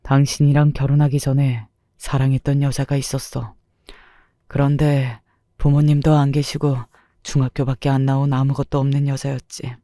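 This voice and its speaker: A woman reading the part of an older husband who quietly confesses and apologizes to his wife, in a subdued tone. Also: mid-range voice, little pitch movement, normal speed, dry recording, studio quality, close to an everyday voice. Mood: remorseful.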